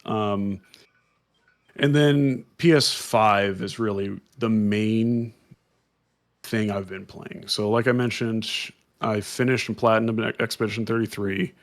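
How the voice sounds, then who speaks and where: A man's voice: lowish voice, steady tone, slow pace. A man co-hosting a podcast, explaining things casually at length with many "um"s and restarts. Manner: rambling, explanatory, filler-heavy. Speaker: podcast co-host. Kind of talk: casual chat.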